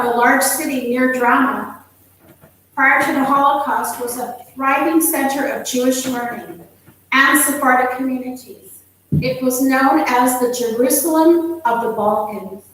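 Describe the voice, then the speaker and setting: A woman's voice: high voice, fairly bright tone. An older woman from Greece, telling her family's story as a guest speaker in a lecture hall. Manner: earnest, personal storytelling. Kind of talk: lecture memoir talk. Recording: echoey hall, mic from far off.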